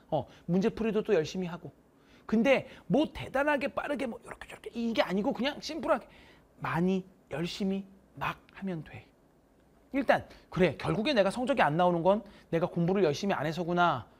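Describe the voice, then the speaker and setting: A math teacher giving a casual motivational lecture and talking directly to students. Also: medium pitch. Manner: casual, talks directly to students, animated storytelling.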